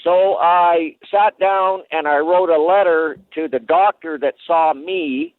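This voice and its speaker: A man's voice: fairly high pitch, slow pace, no room sound. A man from Alberta calling into a radio talk show on an old flip phone, telling his story in a plain, hesitant way with lots of uh's. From Alberta, Canada. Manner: plain-spoken, hesitant with frequent uh fillers. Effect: old flip phone call. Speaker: caller. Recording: tinny dry phone line.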